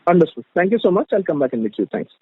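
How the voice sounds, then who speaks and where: A fairly high male voice, heard over a dry, narrow phone line. He is an analyst putting questions politely, in halting phrases. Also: sing-song, husky, no room sound. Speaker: caller, financial analyst. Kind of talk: asking questions on an earnings call.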